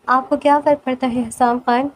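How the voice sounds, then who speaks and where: A woman voicing a timid young woman who speaks softly and hesitantly. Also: sits high, level tone, slight background noise, natural voice. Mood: shy. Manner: hesitant, soft-spoken.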